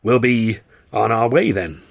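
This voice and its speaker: A man's voice: on the low side, lively intonation, unhurried, vocal fry, exaggerated voice. Man doing a ponderous, dim-witted hired goon. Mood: perplexed, slow. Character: hulking, slow-witted, menacing American gangland goon. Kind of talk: audiobook character dialogue.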